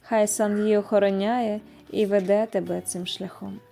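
A woman voicing a calm old grandmother in a storybook, firm and then consoling. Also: medium pitch, moderate pace, creaky, soft background music, natural voice.

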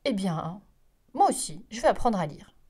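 A boastful big bad wolf grumbles in a mellow, warm voice, gruff and stubborn, as a woman reads him aloud. He sounds like a storybook villain more proud than scary. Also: mid-range voice, big pitch swings, normal speed. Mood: determined.

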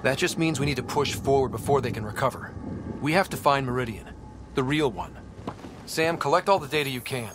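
A man's voice: medium pitch, a little fast, noisy background, close to an everyday voice. A man playing a confident young space explorer and leader in a video game, casual and assured. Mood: determined.

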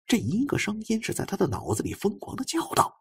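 Husky, dramatic male storyteller with swooping pitch. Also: huge pitch swings, fast talker. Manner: theatrical, suspenseful storytelling with swings from hushed to forceful. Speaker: audiobook narrator. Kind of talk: dramatic suspense audiobook narration.

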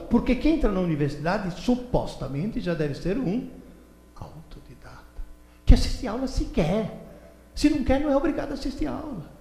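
A man in his seventies giving an animated lecture on a stage, telling stories with mimicked voices and indignant outbursts. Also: sits high, creaky. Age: 70s. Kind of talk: animated lecture to a seminar audience. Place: large hall with a stage. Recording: echoey hall recorded from far off.

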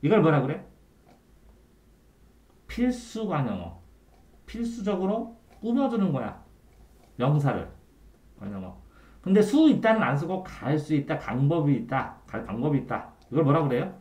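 A man tutoring a student one-on-one in Korean grammar, quizzing him often and trailing off quietly at the ends of phrases. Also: fairly high pitch, sing-song, moderate pace, pauses often. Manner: quizzing the student with frequent checks for understanding. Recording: echoey room.

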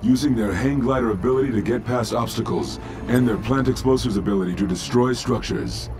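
An actor voicing an impassive military battle computer in a video game, giving clipped, matter-of-fact announcements. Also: male voice, mid-range voice, fairly quick, close to an everyday voice. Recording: loud music over game battle noise.

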